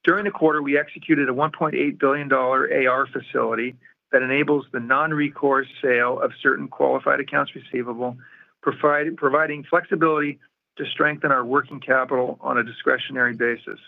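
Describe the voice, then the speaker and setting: A man's voice: medium pitch, fairly even intonation, a little fast, vocal fry. A man formally reading a scripted financial report in a matter-of-fact way, as a company executive on an earnings call. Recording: muffled, narrow-band phone conference line.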